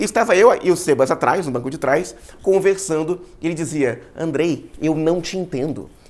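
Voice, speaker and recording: Animated in tone, a man speaks at a fairly high pitch with ordinary pitch variation. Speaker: course instructor. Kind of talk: lecture; guided visualization exercise. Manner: fast.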